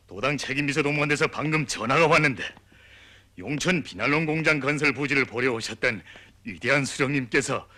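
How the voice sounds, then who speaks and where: High-pitched, emphatic North Korean official. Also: male voice, bright, forceful tone. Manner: formal, emphatic. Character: solemn, dutiful male official relaying momentous news. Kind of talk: North Korean film acting.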